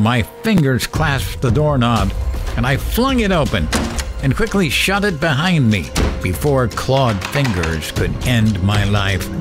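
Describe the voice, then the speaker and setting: An actor playing a frightened radio host, telling a suspenseful first-person horror story in a theatrical, deliberate way. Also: male voice, mid-range voice. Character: frightened male late-night radio host recounting a monster encounter.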